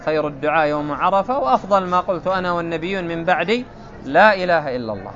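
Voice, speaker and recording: A man's voice: a little high, animated, rapid-fire, fairly bright tone, lo-fi sound, some chatter behind, a little hiss or hum. A man teaching a classical Arabic grammar lesson, explaining step by step and checking often whether his students follow.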